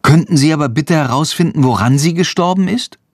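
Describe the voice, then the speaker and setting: A man's voice: fairly high pitch, a little fast, breathy edge, dry recording, clean studio sound, voice pushed up. A man voicing an earnest, caring young boy in a children's audiobook. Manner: earnest and determined.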